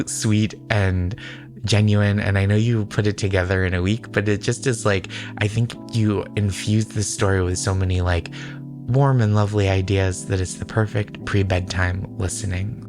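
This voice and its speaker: A man co-hosting a relaxed bedtime podcast, talking in loose, casual, halting phrases. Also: fairly low pitch. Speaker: podcast co-host.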